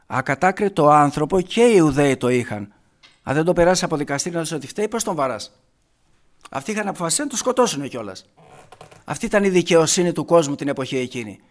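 A man delivers a sermon, walking his listeners through a Bible story line by line. His voice sits a little high for a man, and he keeps asking rhetorical questions and answering them himself. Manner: retells scripture with constant "he says", rhetorical questions. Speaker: preacher.

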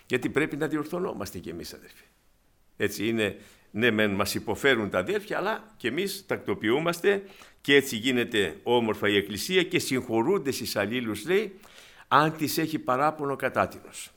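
A man preaching a sermon to his congregation, animated and acting out the voices in his stories. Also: mid-range voice. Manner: animated, acts out quoted voices; addresses congregation as brothers.

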